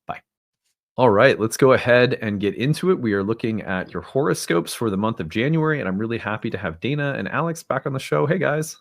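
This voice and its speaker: A man's voice: medium pitch, expressive, fairly quick, vocal fry, dry recording, studio quality. A man hosting an online talk show, making an earnest, upbeat appeal with some fillers. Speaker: host. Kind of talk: casual talk and fundraising appeal.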